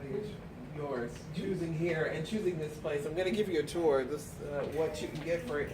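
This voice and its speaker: A woman's voice: low voice, normal speed. A woman hosting a casual group chat with friends, upbeat and laughing as she asks each guest to speak. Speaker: host. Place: home with friends. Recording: far mic, echoey room, noisy.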